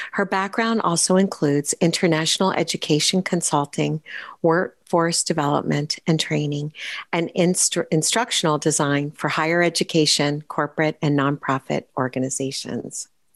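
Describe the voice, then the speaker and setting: The speech moves at a moderate pace with very even loudness and ordinary pitch variation. The sound is dry and close with no echo, over a quiet background. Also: woman, very deep, low pitch for a woman. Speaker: podcast host. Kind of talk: scripted intro then interview chat. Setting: video call.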